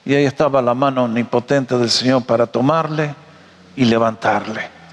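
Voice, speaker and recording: A man preaching a sermon, animated and joking, often asking his audience questions. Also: medium pitch, normal speed, in a large hall. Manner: animated, jokey storyteller, asks the audience questions.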